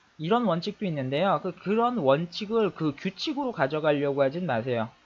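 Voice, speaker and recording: This man's voice is high in pitch. It swings very widely from low to high. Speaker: English grammar teacher. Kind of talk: lecture. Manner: fast.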